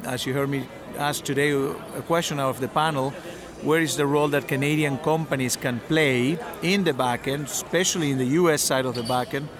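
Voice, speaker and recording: A middle-aged man from Argentina who represents an industry association, answering interview questions at a measured pace with frequent fillers and restarts. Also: mid-range voice, steady tone. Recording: crowd noise behind.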